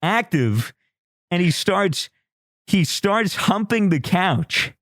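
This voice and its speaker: A man's voice: high-pitched, big pitch swings, slow, a bit bright, no echo, studio quality. A man on a podcast telling a crude story in a casual, laughing way, full of restarts and swearing. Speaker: podcast co-host.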